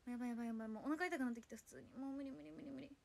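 High-voiced, flustered young woman livestreaming. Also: rapid-fire, vocal fry, darkish tone. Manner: chatty, flustered, reads and answers viewer comments. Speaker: idol livestreamer. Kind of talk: casual solo livestream chat.

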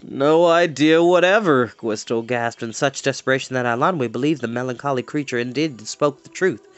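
A young adult man reading a fantasy novel aloud as an expressive storyteller, close to a microphone at home. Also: medium pitch, fairly quick. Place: small furnished room at home.

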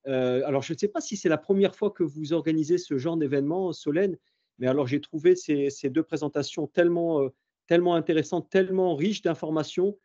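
A man in his fifties presents over a video call, full of praise and stumbling over his own restarts. His tone is mellow and dark. The audio is slightly muffled. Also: a little high, fairly quick. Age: 50s. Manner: effusive, stammering restarts. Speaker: university professor presenting his project. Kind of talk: online presentation.

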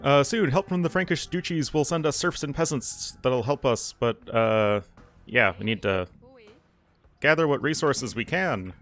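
A man hosting a strategy game video, reading mission text aloud in a relaxed, chatty way. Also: mid-range voice, unhurried, soft background music. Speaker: gaming channel host. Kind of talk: let's play commentary.

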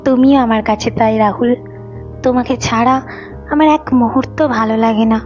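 A woman's voice: fairly high pitch, steady tone, moderate pace, darkish tone, natural voice. A woman playing a lovelorn, devoted woman in an audio romance drama, with a tender, wistful, emotional delivery. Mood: loving. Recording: dull lo-fi audio with faint music. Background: faint music.

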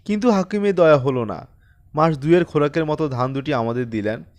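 A man's voice: fairly high pitch, a little fast, darkish tone, no room sound, close to an everyday voice. A man voicing a poor, humble peasant father in an audiobook story, pleading in a deferential, plaintive way. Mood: sorrowful.

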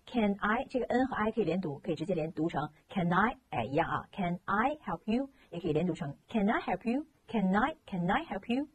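A woman teaching English grammar in a lively lesson, asking rhetorical questions and reading example sentences aloud slowly, with a Mandarin Chinese accent. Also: fairly low pitch, slight background noise.

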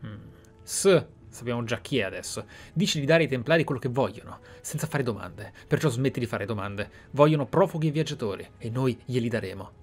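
A man narrating a video game playthrough in a measured, deliberate, theatrical way. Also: medium pitch, animated, slightly rough, soft background music. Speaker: gaming channel host. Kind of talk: Let's Play roleplay narration and commentary. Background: video game ambience.

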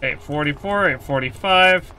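Bright-voiced, uneasy male horror game streamer. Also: a little high, moderate pace, clear, resonant tone, poor audio. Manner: uneasy, sweary, muttering taunts at the monster. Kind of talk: casual horror game play commentary.

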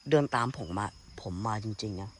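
A vlogger walks through a rainy forest talking casually to his viewers on a handheld phone, chatty but uneasy. His fairly low voice is expressive and at normal speed, with a little hiss or hum and insects and rain in the background.

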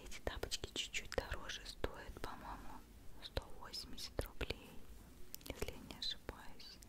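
A woman in her thirties whispers softly right into the listener's ear in a close-miked, gushing, affectionate ASMR chat. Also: normal speed. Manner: gushing, affectionate, fond of diminutives. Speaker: ASMR video host. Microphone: large studio microphone right at the mouth.

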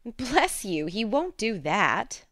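A woman's voice: medium pitch, very animated, slow, fairly bright tone, no room sound, clean studio sound, pitched above the performer's own voice, exaggerated voice. A woman voicing a spirited, sensible teenage girl in a storybook, coaxing and frank. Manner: soothing, frank. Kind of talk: storybook character dialogue.

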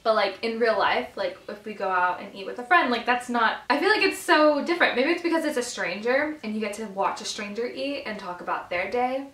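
Young woman, slightly high voice, casual meal vlog, talking while chewing, echoey room. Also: fairly quick, hardly any pauses. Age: 20s. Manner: informal, animated, peppered with "like". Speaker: vlogger. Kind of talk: casual chat to camera over a meal. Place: small bedroom, indoors.

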